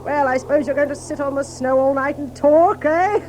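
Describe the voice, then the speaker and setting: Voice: high-pitched, normal speed, slight background noise, close to an everyday voice, low-quality recording. An actor playing an eager, bossy water rat in a children's audio drama, exclamatory and sputtering. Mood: urgent, triumphant.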